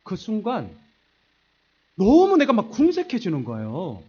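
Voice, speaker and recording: A middle-aged pastor preaching, his fairly high voice leaping up and down as he acts out his own story with self-mocking humor. The sound is dull and lo-fi, like an old church video recording. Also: measured pace, slightly rough. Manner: animated storytelling, acting out quoted voices. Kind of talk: sermon. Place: church sanctuary.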